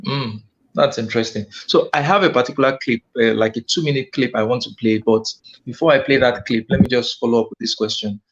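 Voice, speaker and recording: A man hosting a discussion, asking measured, probing questions. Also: mid-range voice, noisy background. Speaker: host. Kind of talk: discussion host. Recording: dull lo-fi sound.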